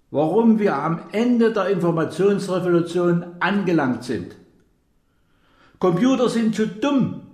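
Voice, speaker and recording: Male actor for stiff, courteous government official, radio drama; high voice, deliberate delivery, roomy echo. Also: a little mellow. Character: formal, courteous government official chairing a secret briefing. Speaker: official leading a project briefing. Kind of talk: formal, measured radio drama speech.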